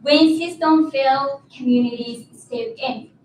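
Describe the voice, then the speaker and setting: High-voiced woman from Afghanistan speaking. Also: slow, darkish tone, a little hiss or hum. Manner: earnest, occasional slips and restarts. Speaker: conference speaker. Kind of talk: prepared speech. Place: conference hall. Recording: echoey hall, distant mic.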